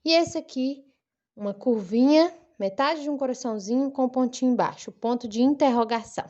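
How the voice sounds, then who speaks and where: Bright-voiced woman teaching young children. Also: high voice, lo-fi sound. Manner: slow, clear, sing-song teacher voice addressing kids. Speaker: primary school teacher. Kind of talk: recorded online lesson for children.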